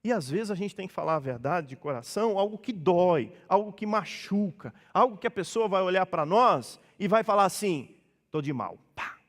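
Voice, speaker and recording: A man's voice: high voice, expressive, normal speed. A Brazilian man preaches a sermon from the pulpit in a lightly raised voice. He talks to the congregation casually, slipping into the voices of people from his stories. The sound rings with a long reverb in the church. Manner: conversational preaching, acts out dialogues in changed voices. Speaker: pastor. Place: church hall.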